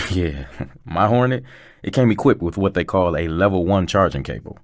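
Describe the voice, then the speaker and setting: A man's voice: deep voice, animated, moderate pace, a little hiss or hum. A man voicing a knowledgeable, patient car technician in a conversational scripted explainer. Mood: explaining, assured. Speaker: voice actor in a promotional dialogue.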